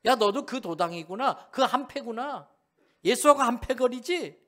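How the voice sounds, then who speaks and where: A pastor voicing a bystander who is dead certain and accusing, pressing his point hard in a high, lively voice. it's a dramatized retelling in a church sermon. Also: moderate pace, exaggerated voice. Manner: insistent, accusing. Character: bystander man, sure and accusing.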